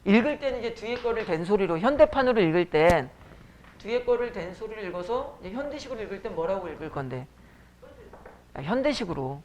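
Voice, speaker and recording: A man teaching a high school Korean class, lecturing casually with joking asides to his students. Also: expressive, fairly quick, a little mellow, slight background noise. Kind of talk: classroom lecture with teasing banter. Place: academy classroom.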